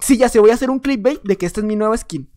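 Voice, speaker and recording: A young man with a high, light voice narrates his gameplay from home. He chatters constantly, repeats himself in quick bursts and jumps into shouts when things get tense. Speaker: gaming YouTuber. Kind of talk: gameplay commentary. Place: at home at night.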